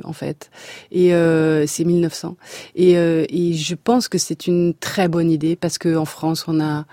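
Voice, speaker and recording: Hesitant warm-voiced woman guest. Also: lowish voice, no room sound, clean studio sound. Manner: hesitant, many fillers and restarts. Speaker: actress, interview guest. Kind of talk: radio interview conversation. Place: radio studio.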